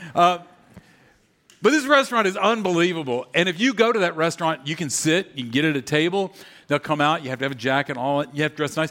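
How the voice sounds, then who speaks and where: With a Southern US accent, a man speaks at a very fast pace in an animated tone, his fairly high pitch carried by lively intonation. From Louisiana. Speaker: pastor. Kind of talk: sermon. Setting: church.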